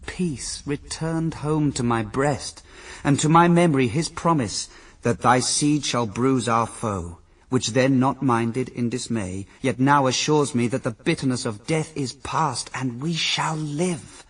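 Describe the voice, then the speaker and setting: A man's voice: medium pitch, measured pace, distant mic, close to an everyday voice, rough recording. An actor playing the first man, an earnest and reverent husband, speaking solemn verse in a radio drama. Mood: reverent hope.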